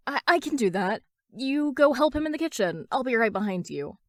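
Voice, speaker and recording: A woman's voice: a little high, big pitch swings, a little fast, no room sound, studio quality, voice pushed up. A woman voicing a mild, busy teenage boy barista in a story reading, hesitant and sometimes stammering. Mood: helpful.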